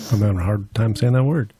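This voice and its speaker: A man acting as co-host on a live tutorial, joking casually in a playful, mock-apologetic way. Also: fairly low pitch. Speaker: off-camera helper and co-host.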